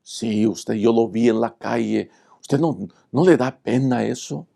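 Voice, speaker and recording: A man's voice: medium pitch, unhurried, creaky, warm tone. A man doing a stern scolding old woman. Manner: reproachful, scolding.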